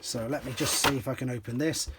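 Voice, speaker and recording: A slightly hoarse man, an enthusiastic toy collector, casually explaining and demonstrating pieces from his collection step by step, with frequent ums. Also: mid-range voice, steady tone, fast talker, noisy background. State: slightly hoarse, clears throat.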